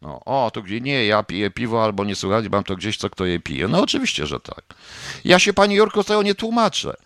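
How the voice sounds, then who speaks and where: Hosting a live online show, a middle-aged man responds to chat comments in casual broadcast talk, repeatedly pressing chatters with one question, combative and swearing now and then. His voice is on the low side, fairly bright, very animated and a little fast, swinging widely in pitch, captured close and dry with no surrounding room.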